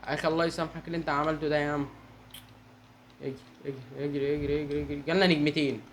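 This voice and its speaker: A young man with an Egyptian Arabic accent giving excitable gameplay commentary and talking to his viewers. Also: a little high, a little hiss or hum. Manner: fast, excitable, talks to viewers. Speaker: gaming channel host.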